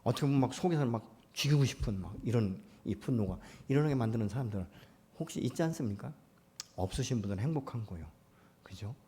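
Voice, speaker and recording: Guy preaching a sermon, pitch jumps all over, gets loud and punchy then goes soft, keeps asking for amen. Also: expressive, fast. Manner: rises to loud emphatic peaks, then drops to soft asides; calls out to the congregation for amens. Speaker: pastor.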